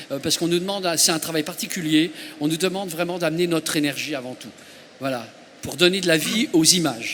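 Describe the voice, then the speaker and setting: Over noticeable background noise, a man with a high voice speaks at a fairly quick pace. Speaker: voice actor. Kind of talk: panel talk.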